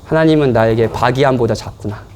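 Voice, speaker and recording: A man's voice: medium pitch, fast talker, darkish tone, a little hiss or hum. A man preaching a sermon in a church, speaking conversationally and playfully with his congregation. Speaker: pastor. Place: church, afternoon service.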